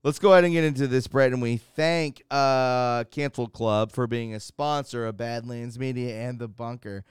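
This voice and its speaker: A man's voice: medium pitch, fairly even intonation, moderate pace, smooth, dry recording, clean studio sound. A man hosting a casual live-stream show, loose and rambling, reading news aloud. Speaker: host.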